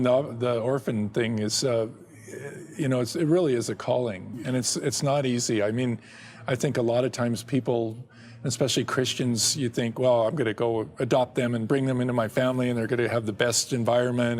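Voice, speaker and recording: A middle-aged man answering interview questions about his work and family, speaking haltingly with frequent restarts and soft chuckles. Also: medium pitch. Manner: halting, many restarts and repeated words; chuckles often. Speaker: guest, ministry director.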